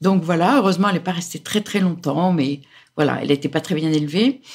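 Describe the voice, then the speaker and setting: A woman speaks with lively intonation at a fairly low pitch. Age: 60s. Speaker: widowed retiree hosting students. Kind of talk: interview. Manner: hesitant with fillers.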